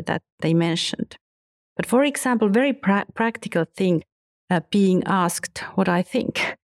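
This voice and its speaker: Halting low-voiced woman, non-native English. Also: gravelly, darkish tone, no echo, studio quality. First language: neither English nor Finnish. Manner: halting, with frequent restarts and searching for words. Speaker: guest speaker. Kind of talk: conversational interview.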